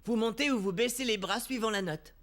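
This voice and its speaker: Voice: medium pitch, a little fast, a bit bright, a little hiss or hum, close to an everyday voice. An actor voicing a friendly older boy who leads a band, instructing and encouraging younger children in a cartoon dub. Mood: playful, instructing.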